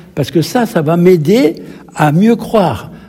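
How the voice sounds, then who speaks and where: Very slow speech from a man, high pitched with very wide pitch swings, over noticeable background noise. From Algeria. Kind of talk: radio interview.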